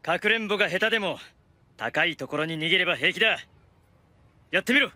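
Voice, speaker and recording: A man voicing a stern, gruff big black tomcat in a children's cartoon, blunt and commanding like an old-fashioned instructor. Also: high-pitched, fast talker, sharp tone, no echo. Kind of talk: animated children's cartoon acting.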